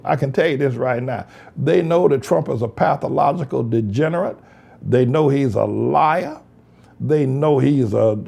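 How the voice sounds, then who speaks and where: Lively, gravelly-voiced man preaching commentary. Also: mid-range voice. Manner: fiery, mocking, rambling preacher. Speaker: pastor and host of a news blog. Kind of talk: biblical political commentary.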